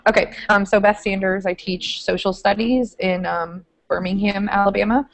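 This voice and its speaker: A young social studies teacher talks eagerly on a video call, using many filler words. She speaks through an earphone headset from a small room with bookshelves, in a mid-range voice with a steady tone and moderate pace.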